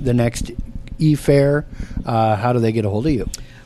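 There is noticeable background noise as a man with an American accent talks at a medium pitch. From Southeast Colorado. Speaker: local news podcast host. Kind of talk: interview. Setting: restaurant after closing.

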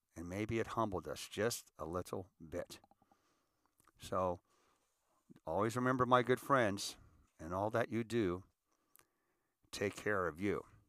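Speaking at a fairly slow pace with long, frequent pauses, a man talks at a fairly low pitch. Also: ordinary pitch variation. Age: 60s. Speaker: podcast host and author. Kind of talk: casual monologue. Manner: halting.

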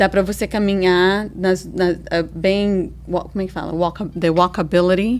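Flat, monotone intonation carries speech delivered fairly slowly. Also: woman, medium pitch for a woman. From Brazil, Juiz de Fora, Minas Gerais. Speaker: real estate agent. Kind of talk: interview. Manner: halting, with fillers and English words.

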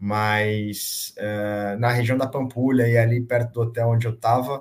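A man speaks in a somewhat breathy voice. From interior of São Paulo state, Brazil. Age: 30s. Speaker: sports journalist and football supporter. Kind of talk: casual chat.

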